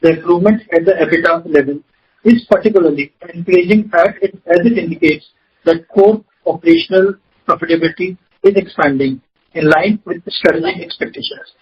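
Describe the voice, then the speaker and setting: High, husky Indian man on a call. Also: a little fast. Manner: formal, reading out figures. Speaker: company executive presenting financial results. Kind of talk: scripted formal earnings presentation. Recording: dull, lo-fi conference call audio.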